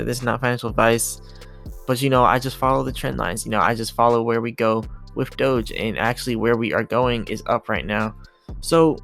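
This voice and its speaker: A man's voice: medium pitch, fairly bright tone. A man giving casual, repetitive, hyping commentary over charts as a video host. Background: music.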